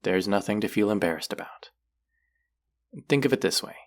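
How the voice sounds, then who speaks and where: An actor plays a caring clinic guide in a roleplay audio drama. The voice sits low, with a gravelly creak at the edges. The delivery is soft-spoken and concerned, gently scolding a patient while looking after them. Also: animated, normal speed. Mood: soothing. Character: caring, gently stern clinic guide who heals espers. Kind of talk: roleplay audio drama, speaking softly to the listener.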